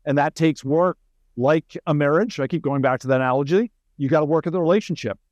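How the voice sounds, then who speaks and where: A middle-aged Canadian man with a fairly high voice speaks as a military guest in an interview. The sound is dry, with little room in it. He explains things conversationally and drops in wry asides. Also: fast, darkish tone, dry recording, lo-fi sound.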